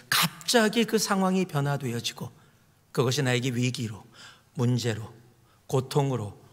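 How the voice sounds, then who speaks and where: A middle-aged man, a senior pastor, preaching a sermon in a storytelling way, his pitch and volume rising and falling widely. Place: church sanctuary. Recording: long hall reverb.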